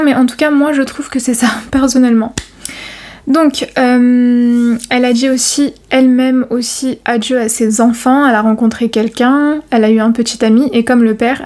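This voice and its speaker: A woman recounts a true crime case for her viewers. Her voice sits a little high, and she talks casually, with frequent hesitations and slangy asides. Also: darkish tone. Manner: chatty and informal, many fillers and slang. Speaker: YouTuber telling a true crime story.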